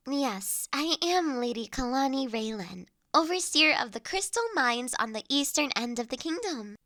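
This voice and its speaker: A woman acts out a genteel noblewoman with a high, bright voice and slow, measured delivery. She speaks formally, with poised authority and a kindly touch, letting phrases trail off softly. It is a close, dry audio roleplay recording. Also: expressive, dry recording, full character voice. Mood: gracious, composed. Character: refined young noblewoman, mine overseer, poised, authoritative yet kindly. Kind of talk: scripted audio roleplay addressed to listener.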